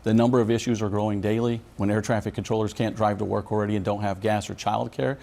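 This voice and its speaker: A man's voice: fairly low pitch, flat delivery, fast, creaky, darkish tone. A middle-aged American man answering news interview questions as a union leader, speaking earnestly and emphatically. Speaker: union leader representing air traffic controllers.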